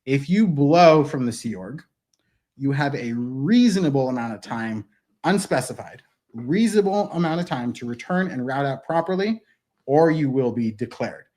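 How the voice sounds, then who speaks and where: A man's voice: mid-range voice, animated, normal speed, darkish tone. A man in his thirties with a mid-range voice talks bluntly and with force, swearing freely. He sits at a desk mic in a small wood-paneled studio. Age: 30s. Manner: blunt, profane, emphatic. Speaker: guest. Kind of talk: casual interview.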